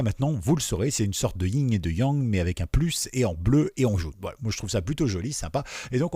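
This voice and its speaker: A man giving a relaxed, screen-recorded tutorial, chatty and digressive, with many fillers and repeated words. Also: fairly low pitch, slightly rough, no room sound, studio quality. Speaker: teacher.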